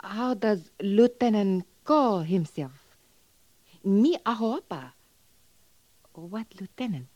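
A young Native American woman in a 1950s radio drama, devoted and quietly curious. She speaks broken English in solemn, simple phrases, slowly and with a soft, dark tone. The vintage recording is dull and dry. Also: mid-range voice, animated, no echo. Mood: eager, curious.

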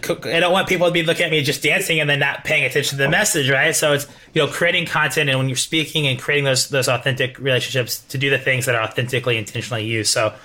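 A man hosting an interview podcast, talking with energy, often restarting and adding "right?". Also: medium pitch. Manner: energetic, repeats words, tag questions. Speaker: podcast host. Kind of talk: casual interview chat.

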